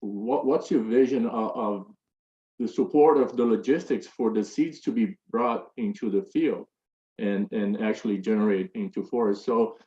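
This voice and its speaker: A man with a fairly low voice asks a long question from the floor of a panel, hesitating often and restarting his phrases. The sound is roomy and a little dull, as if picked up from across a hall. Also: moderate pace, dark tone. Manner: hesitant, many fillers and restarts. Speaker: audience member asking a question. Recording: roomy, dull room audio.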